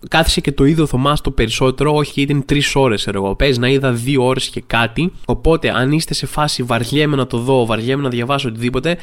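A man with a Greek accent hosting a podcast, telling a sarcastic comic monologue with sudden jumps in pitch, slowing down for punchlines and rushing through asides. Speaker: podcast host.

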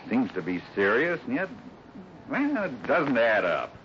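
An actor playing a steady, fatherly cowboy foreman with an American accent, in 1950s radio adventure style. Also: mid-range voice, a little slow. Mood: thoughtful. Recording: noisy, dull 1950s radio recording.

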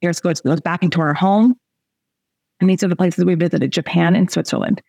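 A woman's voice: on the low side, a little fast, gravelly, warm tone, slightly rough, no echo, studio quality. A woman in her forties giving a motivational coaching talk to a group, chatty and emphatic, laughing often and speaking straight to her listeners. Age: 40s. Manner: chatty, laughing, emphatic, addresses audience directly. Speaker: coach and host.

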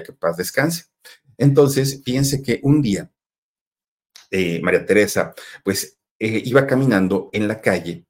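Mexican male host, lowish voice, chatty storyteller who repeats himself for emphasis. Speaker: channel host. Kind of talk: storytelling commentary.

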